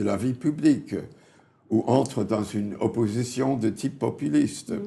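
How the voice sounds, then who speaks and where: A man with a New Jersey accent speaks at medium pitch with lively intonation, a dark, mellow tone and a somewhat breathy quality. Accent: New Jersey American accent in French. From US, New Jersey. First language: English (speaking French). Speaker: translator and academic. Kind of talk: lecture with slides. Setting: live online event. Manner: hesitant, with many fillers.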